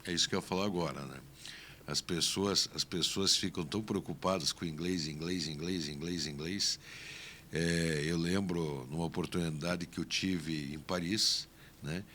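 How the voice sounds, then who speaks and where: A man's voice: low-pitched, fairly even intonation, normal speed, bright, forceful tone, slight background noise. A man hosting a radio interview, chatty and fond of anecdotes. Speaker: radio host.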